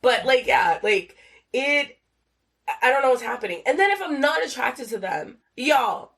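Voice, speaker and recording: A woman's voice: sits high, lively intonation, moderate pace, vocal fry, fairly bright tone, slightly rough. Young woman host, loose rambling podcast chat, swears freely, stuffy nasal voice from a cold. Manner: rambling, swears a lot, many fillers. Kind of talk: casual solo podcast chat.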